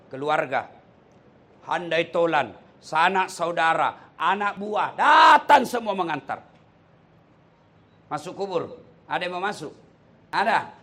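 Lively preacher, man. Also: sits high. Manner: animated storytelling, rhetorical questions to the audience. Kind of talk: sermon.

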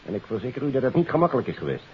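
An actor playing an earnest, courteous police investigator in a 1950s radio drama, with a formal, deliberate and emphatic delivery. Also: male voice, mid-range voice, very animated, natural voice. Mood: grave, explanatory. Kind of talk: 1950s Dutch radio detective drama acting. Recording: dull, hissy 1950s radio recording.

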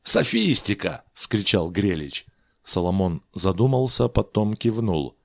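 A man narrating a story with an expressive, animated reading on a close mic. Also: fairly low pitch, a little slow, no echo. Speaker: audiobook narrator.

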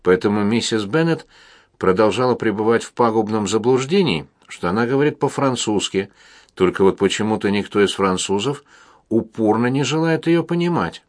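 A man narrating an audiobook in a measured, gently ironic storytelling manner. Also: fairly low pitch, expressive. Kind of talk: audiobook reading.

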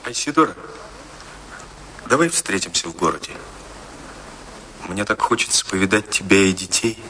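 Radio play male lead: an ardent rich gentleman lover, lower-pitched, courtly and deliberate, faint noise. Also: lively intonation. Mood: tender. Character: wealthy gallant millionaire suitor, devoted and earnest. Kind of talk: theatrical radio drama dialogue.

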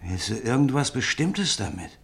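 An actor playing a wary, probing black-market seller in a radio drama, questioning deliberately and needling. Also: male voice, medium pitch, sing-song, a bit bright. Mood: suspicious, probing. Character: wary, probing man reluctantly selling a revolver. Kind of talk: German radio play dialogue.

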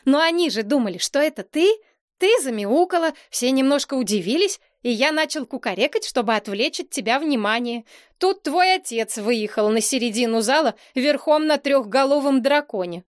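A hot-headed boy prince, sulky and defensive, grumbling his way through every complaint, as a woman reading a storybook puts him on. The voice sits fairly high and moves a lot. Dry, close recording. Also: lively intonation, moderate pace, no echo. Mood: aggrieved. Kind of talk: audiobook character voice.

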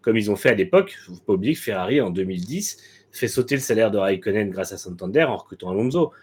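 Husky-voiced man giving blunt opinions. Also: lowish voice, animated, fast, darkish tone. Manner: frank, blunt, hesitant fillers. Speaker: motorsport podcast co-host. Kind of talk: casual opinionated chat.

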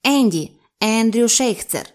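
A woman voicing a chattering talking salamander that creakily parrots phrases in a squeaky, odd-sounding voice. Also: lively intonation, takes it slowly, darkish tone. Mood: polite. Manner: repeats phrases eagerly, polite.

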